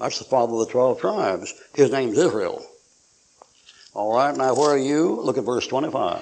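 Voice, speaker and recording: A man at a moderate pace, with audible room echo. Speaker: preacher. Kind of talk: sermon.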